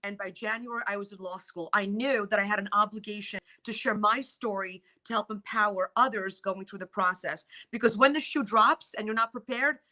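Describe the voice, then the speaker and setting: A woman's voice: medium pitch, brisk, hardly any pauses, bright, forceful tone. A middle-aged woman born in Poland, whose first language is Polish, speaking emphatically as a divorce lawyer guest on a morning TV talk show. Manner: emphatic, exclamatory storytelling. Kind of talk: morning TV interview.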